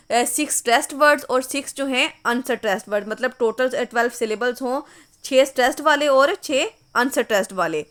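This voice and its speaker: A woman's voice: high voice, fairly bright tone. A woman giving an online English literature lesson, explaining patiently and reading words out one at a time. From Pakistan. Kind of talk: online lecture.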